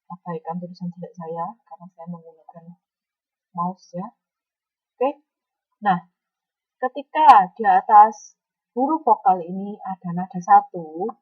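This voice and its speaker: A woman's voice: mid-range voice, slightly rough, no echo, phone-quality sound. A woman teaching a Mandarin lesson online, speaking patiently and often adding a questioning "ya".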